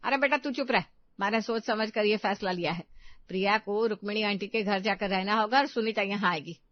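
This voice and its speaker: A woman's voice: mid-range voice, fairly quick, no room sound, lightly acted. A woman voicing a stubborn, commanding middle-aged mother-in-law in a cartoon story. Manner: bossy, commanding. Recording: dull dry studio audio.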